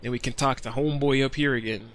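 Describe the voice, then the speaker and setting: A man's voice: medium pitch, fairly even intonation, fast. A man streaming a video game, chatting casually in an easygoing, rambling way. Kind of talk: casual livestream commentary.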